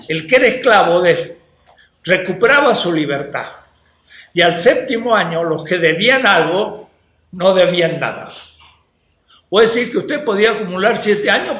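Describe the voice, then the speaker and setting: An older man from Latin America giving a university philosophy lecture, speaking slowly and deliberately and putting rhetorical questions to his class. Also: fairly high pitch, fairly bright tone. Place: lecture hall. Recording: echoey lecture hall.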